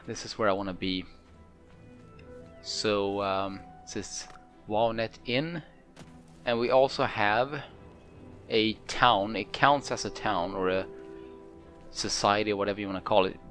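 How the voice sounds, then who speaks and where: Low-pitched man giving casual game commentary. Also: measured pace, long pauses, a bit bright. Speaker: gamer, let's play host. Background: game music.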